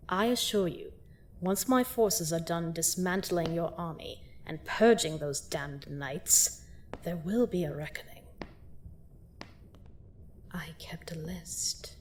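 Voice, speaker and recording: Slow, haughty vampire queen, acted by a woman. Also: lowish voice. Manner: haughty, deliberate, menacing, dropping into hushed breathy asides. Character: vengeful vampire queen, imperious conqueror gloating over a captive prince. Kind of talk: dramatic fantasy roleplay audio monologue.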